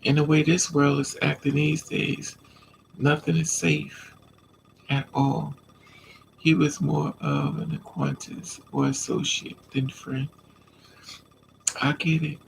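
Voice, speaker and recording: A man's voice: fairly high pitch, slow pace, creaky, pauses often, noisy background. A man with a stuffy nose from a coming cold, chatting casually on a live stream and answering viewers' comments. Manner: relaxed, chatty, talks back to commenters.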